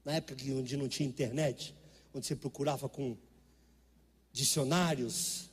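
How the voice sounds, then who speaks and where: A man's voice: mid-range voice, steady tone, moderate pace, slightly rough, big-room sound. A middle-aged Brazilian man preaching a sermon, telling stories in an emphatic, conversational way. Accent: Brazilian Portuguese. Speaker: pastor. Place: church.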